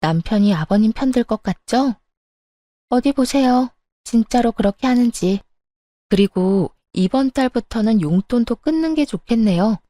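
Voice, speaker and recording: A woman's voice: fairly high pitch, animated, normal speed, mellow, dry recording. A woman narrating a dramatic family story in the first person, emphatic and indignant.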